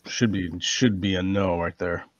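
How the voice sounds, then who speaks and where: A man's voice: low-pitched, steady tone, normal speed, highs cut off. A man playing a tabletop game over an online call, chatting casually about his characters' moves. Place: indoors, video call.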